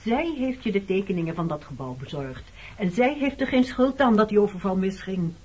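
A woman's voice: mid-range voice, expressive, a little fast, darkish tone, husky. An actress playing a weary, defensive woman in her thirties, haunted by her wartime past, in a radio play. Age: 30s. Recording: dull old radio play recording.

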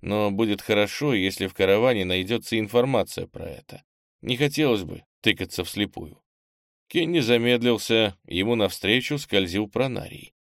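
Man, audiobook narrator, measured reading, gravelly, dry close sound. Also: on the low side, dry recording.

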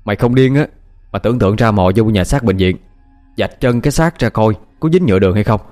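Man voicing a young man, loud, scolding, exasperated, storybook audio. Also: lowish voice, fast, soft background music, lightly acted. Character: young man, Thư's exasperated best friend.

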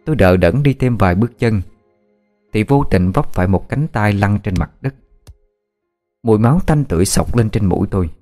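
A man reading a scripted horror story in a steady, somber way. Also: lowish voice, fairly quick, pauses often, faint music behind.

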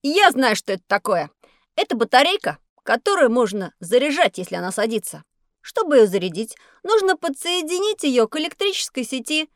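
A woman's voice: sits high, sing-song, fairly quick, dry recording. A woman voicing a curious young schoolboy who asks questions and eagerly explains what he knows, in a studio children's audiobook. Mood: explaining. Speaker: child character asking questions. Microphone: studio microphone.

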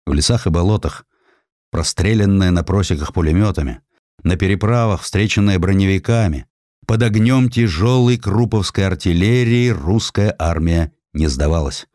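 A man reading a historical narrative as an audiobook narrator, in a measured, deliberate and dramatic way with weighty pauses. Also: sits low, a little mellow, no echo, studio quality.

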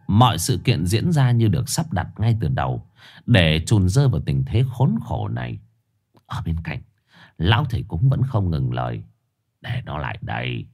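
A man's voice: deep voice, big pitch swings, moderate pace, a little mellow, slightly rough. A man telling a scripted horror story dramatically.

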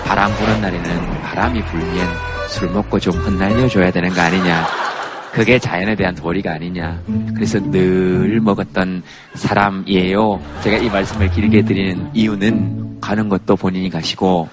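A man's voice: low-pitched, fairly even intonation, normal speed, over loud music. A middle-aged man hosting a talk show before a studio audience, bantering and teasing guests. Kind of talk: casual chat with studio audience.

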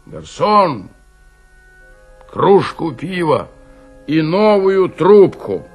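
An actor playing an embittered, despairing man in a radio drama monologue, husky and gravelly, brooding in his delivery. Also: a little high, big pitch swings, soft background music, full character voice. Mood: loud, peevish. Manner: slow, brooding, with emphatic swells and hushed drops. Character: embittered, despairing male drinker recounting his shattered childhood.

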